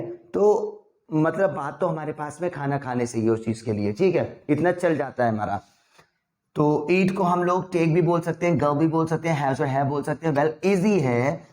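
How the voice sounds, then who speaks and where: A young man teaching English vocabulary in a casual, chatty way. He mixes two languages and slows down to spell out the English example sentences. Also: on the high side, darkish tone.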